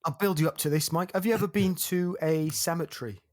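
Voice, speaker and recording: A man's voice: a little high, fast talker, a little mellow. A man co-hosting a podcast, chatting in enthusiastic, sweary banter. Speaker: podcast co-host. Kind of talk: casual chat.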